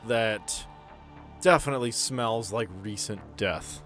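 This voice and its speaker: A man's voice: lowish voice, slow, fairly bright tone, faint music behind. A man narrating a tabletop roleplaying game as game master, with joking asides.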